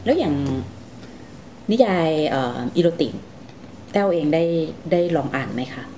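Very low, mellow-voiced woman hosting. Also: sing-song, measured pace, a little hiss or hum, poor audio. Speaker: interviewer, show host. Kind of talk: conversational interview hosting.

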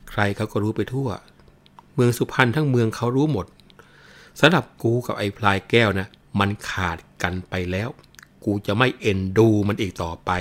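A man voicing a coarse, domineering older mother who yells crude insults at her daughter. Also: lowish voice, lightly acted. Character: furious scolding old mother, coarse and domineering.

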